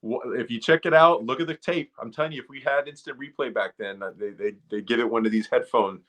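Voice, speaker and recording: A man's voice: mid-range voice, fast talker, crowd noise. A man in his forties, a former ballplayer turned broadcaster, chatting and telling self-deprecating stories as a guest on a podcast. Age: 40s. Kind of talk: casual storytelling interview.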